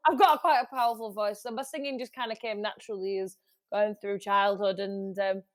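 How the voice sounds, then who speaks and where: A woman's voice: mid-range voice, fairly even intonation, fairly quick, no echo. Chatty woman in a dry room. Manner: chatty, restarts often, laughs easily. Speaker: music industry guest. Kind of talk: casual interview chat.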